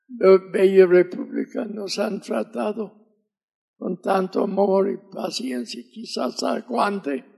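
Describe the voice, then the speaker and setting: An elderly preacher in his nineties, a native English speaker who carries an American accent into his sermon. His voice sits high and gravelly with a husky edge. He delivers each fervent line slowly and deliberately. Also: mellow, rough recording. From Mississippi, USA. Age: 90s. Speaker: visiting preacher.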